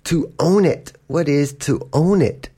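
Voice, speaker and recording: A man's voice: a little high, a little slow, dark tone, slightly rough. A man hosting a podcast that teaches English, explaining words patiently in a casual way and acting out little example quotes. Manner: gives examples in playful put-on quotes.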